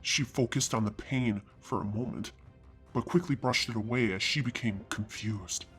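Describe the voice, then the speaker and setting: A man reading a first-person fantasy story aloud, with an earnest husky delivery that climbs into anger on the hero's lines. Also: on the low side, normal speed, fairly bright tone, soft background music. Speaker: story reader.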